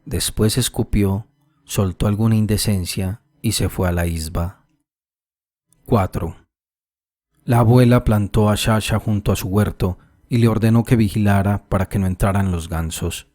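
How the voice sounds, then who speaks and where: A man reading a classic short story aloud as an audiobook narrator, calm and measured. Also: fairly low pitch, dry recording, studio quality.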